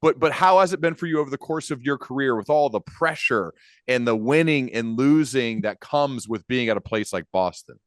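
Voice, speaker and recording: A man's voice: mid-range voice, expressive, normal speed, dry recording, studio quality. A man hosting a podcast, asking long, curious questions in an informal conversational way. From Ohio, United States. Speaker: podcast host, interviewer. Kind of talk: conversational interviewing.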